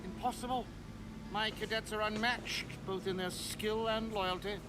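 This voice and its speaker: A woman playing a proud, defensive academy commander in an animated series, formal and haughty. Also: mid-range voice, moderate pace, lightly acted. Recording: very noisy soundtrack.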